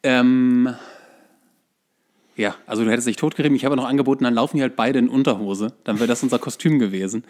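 A man's voice: medium pitch, quick pace, darkish tone. A man co-hosting a podcast in casual, bantering conversation. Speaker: podcast co-host.

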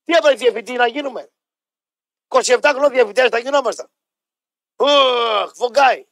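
High-pitched guy radio host going off, mocking and cursing, dry close mic. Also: dry recording. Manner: loud, mocking, swears and repeats himself. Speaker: radio sports show host. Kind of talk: heated talk-radio rant.

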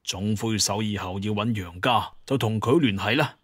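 A man acts out an older patriarch of a hunter clan in an audio drama. The voice is fairly low, with a dry, close sound. He speaks formally and humbly, with a father's pride and great deference. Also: normal speed, no room sound, close to an everyday voice. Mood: respectful. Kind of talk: Cantonese audio drama dialogue.

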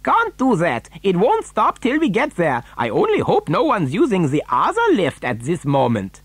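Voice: medium pitch, huge pitch swings, normal speed, slightly rough, no room sound, voice pushed up. A storyteller voicing a flamboyant, gallant man who owns a chocolate factory, theatrical, gleeful and breezily unbothered. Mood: breezy.

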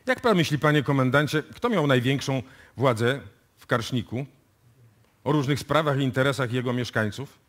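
An actor playing a shrewd, self-assured police inspector in a radio play, explaining deliberately and with authority. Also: male voice, mid-range voice, a bit bright, natural voice. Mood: confident, explanatory. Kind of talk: live radio play acting.

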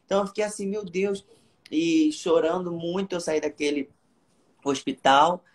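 A man's voice: fairly high pitch, normal speed. A young man from Rio de Janeiro with a Carioca accent, giving an earnest personal testimony in an interview and acting out the dialogue as he tells it. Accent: Carioca Brazilian Portuguese. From Rio de Janeiro, Brazil. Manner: earnest storytelling, reenacting dialogue.

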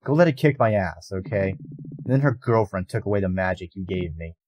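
A man's voice: deep voice, expressive, a little fast, a little mellow, slight background noise. Man playing a cocky, defensive woman fighter. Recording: music bed underneath.

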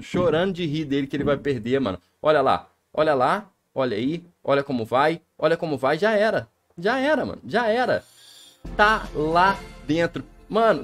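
A man with a Brazilian Portuguese accent, a gaming YouTuber giving excited gameplay commentary from his home, joking and throwing in slang fillers. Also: on the high side. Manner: hyped, joking, peppers talk with slang fillers. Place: home under renovation. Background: faint background music.

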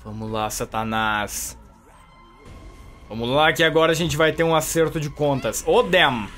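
A man with a Brazilian Portuguese accent commenting on his gameplay in a chatty way, reacting loudly and joking at enemies. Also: on the high side, a little fast, faint music behind. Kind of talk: let's play commentary.

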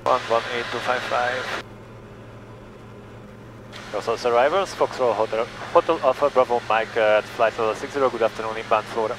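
A young man talks through his flight from the cockpit of a small plane, calm and methodical. His headset mic picks up a steady engine drone behind him. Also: medium pitch, moderate pace, background noise. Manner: calm, methodical, reads back clearances. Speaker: private pilot. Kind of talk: cockpit narration and radio calls. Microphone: headset boom mic.

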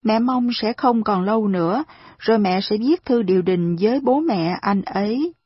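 Gentle rich lady, a mom, read by a woman, soothing and patient, husky, muffled audio. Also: medium pitch, expressive, normal speed, no echo. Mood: gently persuasive. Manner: soothing, reasoning. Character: kind, gentle wealthy lady, a mother.

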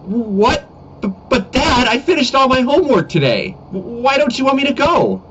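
A man voicing a whiny, defiant, excitable schoolboy in an amateur comedy animation, on a cheap webcam mic. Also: very high voice, normal speed, dull audio, slight background noise, pitched above the performer's own voice, heavily acted. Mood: pleading.

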